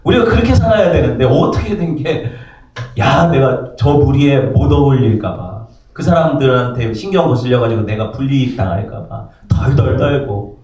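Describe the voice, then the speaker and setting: A man's voice: mid-range voice, normal speed, highs cut off. A man preaching a sermon as pastor, asking his congregation questions and acting out the voices in the stories he tells. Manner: lively preaching, acts out voices in quotes, asks the congregation "그죠?". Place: church sanctuary. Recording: echoey church hall, mic at a distance.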